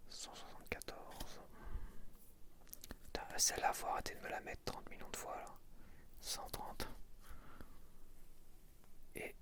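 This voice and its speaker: Slow, whispering ASMR man. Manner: whispering, murmured, unhurried. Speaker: ASMR video creator.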